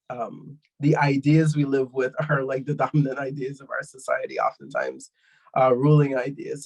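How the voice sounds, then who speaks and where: Man with a gravelly voice. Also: medium pitch, rough recording. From Guyana. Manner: thoughtful, explanatory, with frequent fillers. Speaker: panelist. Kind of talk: online panel discussion.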